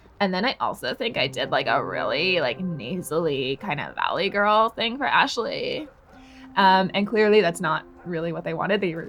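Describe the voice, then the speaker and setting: Music plays as a woman speaks at a fairly quick pace. Her medium pitch makes very wide swings. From Canada. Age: adult. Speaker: voice actor. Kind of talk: gameplay commentary. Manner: lazy, relaxed delivery.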